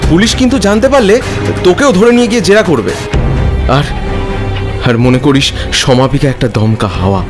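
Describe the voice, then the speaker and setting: A man's voice: fairly high pitch, moderate pace, pauses often, lightly acted. A man playing a blunt young college friend who talks in an urgent, cautioning way in a cartoon drama. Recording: music behind the voice.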